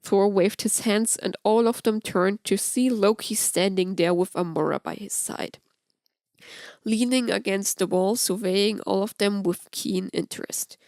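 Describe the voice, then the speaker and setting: A woman's voice: mid-range voice, measured pace, darkish tone, no room sound. A woman reading scripted fan fiction aloud as an audiobook narrator.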